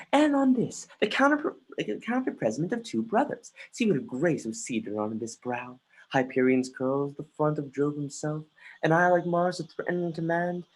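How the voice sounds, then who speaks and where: Reading remotely from home over a livestream, an actor voices an anguished young prince with a husky, mid-pitched sound. The declamatory Shakespearean verse comes out accusing and scornful, alternating muttered lines with outbursts and the occasional stumble, all on a low-quality recording.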